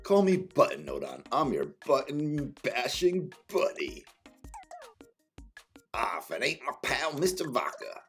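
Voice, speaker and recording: Man voicing video game button buddy, chummy, bragging, punchy, very lively pitch. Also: a little slow, faint music behind. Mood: brash, friendly. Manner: brash, punchy exclamations.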